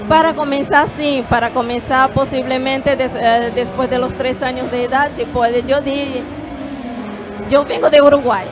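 A Brazilian woman yoga teacher speaking Spanish in a gentle, measured way with small hesitations, on a handheld mic at a fair stand. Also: high voice, fairly even intonation, background noise. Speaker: yoga teacher and holistic therapist. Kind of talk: calm explanatory interview answers. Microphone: handheld microphone.

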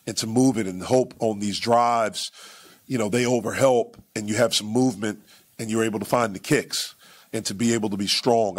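Low-voiced coach at a postgame presser. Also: male voice, husky. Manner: measured, repeats phrases, many fillers like "you know" and "man". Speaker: head basketball coach. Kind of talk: postgame press conference answers. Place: press conference room with sponsor backdrop. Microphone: table microphones.

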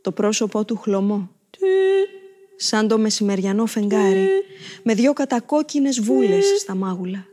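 An actress reading a short story aloud on stage, telling it in the first person with expressive, theatrical delivery. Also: female voice, medium pitch. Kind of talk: dramatic literary reading.

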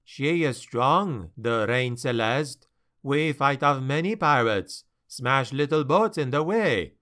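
A man voicing an excitable male sea captain with a French accent and broken, emphatic English. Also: mid-range voice, takes it slowly. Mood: persuasive.

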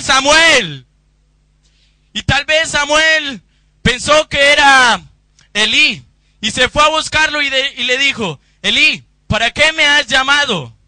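A male preacher at a church service with a strikingly high, brilliant tone. He speaks slowly and with fervor, pushing toward shouts in prayer. His voice sits close and dry on the microphone. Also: dry recording. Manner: fervent, swells to shouting in prayer. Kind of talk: Pentecostal sermon and prayer.

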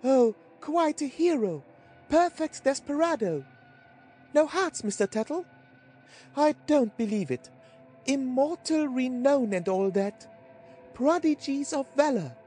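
A woman's voice: high-pitched, lively intonation, slow, dark tone, soft background music. A woman playing an affected, exclamatory society gossip in a comic period story. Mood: gossipy, distracted. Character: chattering society gossips at cards and dances.

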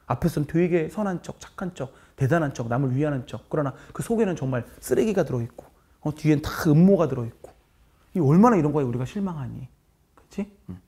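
Earnest Korean man with a breathy voice. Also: on the high side, lively intonation, fast. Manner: earnest, lecturing, repeats key words, drops to soft asides. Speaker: math teacher. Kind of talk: heartfelt farewell talk to students.

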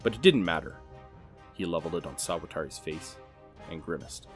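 Deep-voiced man narrating a drama. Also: expressive, a little fast, soft background music.

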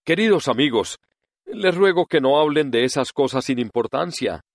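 A quavering, timid little old wizard, as a male storyteller puts him on, pitched above the reader's own voice and swinging widely in tone. He pleads and excuses himself humbly, a fraud caught out in an audiobook story. The sound is close and dry. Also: animated, normal speed, no room sound. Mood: humble explaining. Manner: trembling, pleading voice.

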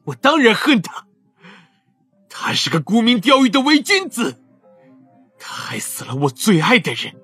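An actor playing a bitter, lovelorn man in an audio drama, confessing haltingly and emotionally. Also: very high-pitched, sing-song, pushed and bright, husky, faint music behind, full character voice. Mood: furious.

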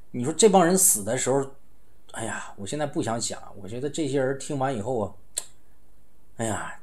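A man's voice: mid-range voice, darkish tone. Middle-aged man, wry informal commentator. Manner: conversational, wry, with rhetorical questions and sighs. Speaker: host of a political commentary show. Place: small indoor room, seated.

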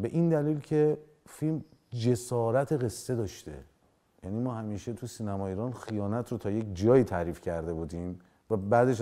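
A man's voice: mid-range voice, dark tone. A man in his forties, an actor as a guest in a TV studio interview, talking emphatically and gesturing as he makes his case. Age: 40s. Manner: emphatic, gestures with hands, acts out quoted lines. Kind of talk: studio interview, animated opinion. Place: dark television studio set. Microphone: lapel mic.

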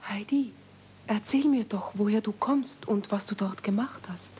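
An actress playing a kind, gentle, well-bred young girl in a 1970s radio play. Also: mid-range voice, normal speed, husky. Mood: gentle, curious. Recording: dull, noisy old radio play recording.

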